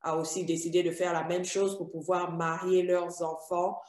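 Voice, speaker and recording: Soft-spoken woman interviewer, mellow voice. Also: on the low side, little pitch movement, moderate pace. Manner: soft, comforting, hesitant with fillers. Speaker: Christian interviewer. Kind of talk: gentle interview. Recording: roomy echo.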